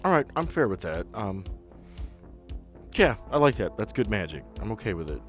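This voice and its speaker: Male game master, low-pitched and easygoing, casual tabletop narration with faint music underneath. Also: very animated, moderate pace.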